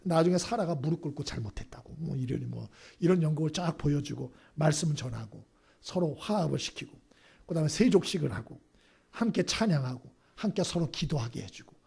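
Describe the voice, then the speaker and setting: A man's voice: fairly high pitch, sing-song, brisk, creaky, darkish tone, slightly rough. A male pastor preaching a sermon in a church, telling stories and often checking in with the congregation.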